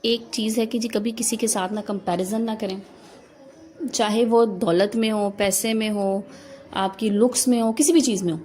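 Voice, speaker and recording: A Pakistani woman in her thirties talks straight to her viewers in a home vlog, with a Pakistani Urdu accent. Her voice sits at an ordinary middle pitch for a woman. She gives earnest, instructive advice and keeps checking in with the listener as she goes. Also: fairly even intonation, normal speed, dark tone, a little hiss or hum. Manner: earnest, instructive, addresses viewers directly with frequent rhetorical "na". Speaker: housewife vlogger. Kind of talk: advice talk to camera.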